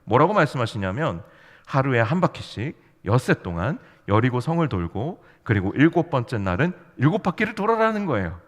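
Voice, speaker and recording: A man preaching as youth pastor tells stories playfully and keeps asking the congregation rhetorical questions. His voice is mid-range and a bit bright, echoing with long hall reverb through the church sanctuary.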